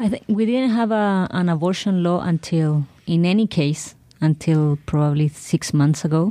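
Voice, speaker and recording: A woman with a Spanish accent speaks at a moderate pace and a fairly low pitch, with ordinary pitch variation and a dark, mellow tone, in a dry, close sound with no echo against a quiet background. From Chile. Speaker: film director. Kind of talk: interview.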